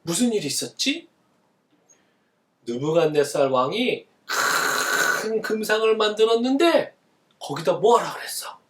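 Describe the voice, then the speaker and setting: A male pastor giving a children's sermon, asking the kids questions and answering them himself in an animated way. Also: high-pitched, unhurried, roomy sound, recorded from a distance. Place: church.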